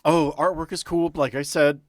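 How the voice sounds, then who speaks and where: A man's voice: on the high side, steady tone, moderate pace, no echo, studio quality. A man speaking casually as podcast host and game master, bantering and narrating.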